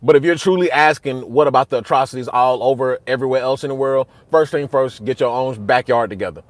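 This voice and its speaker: A young man hosting a casual livestream, talking back to his chat in a heated, repetitive way that gets loud and high when he is worked up. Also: fast talker, no room sound. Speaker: host.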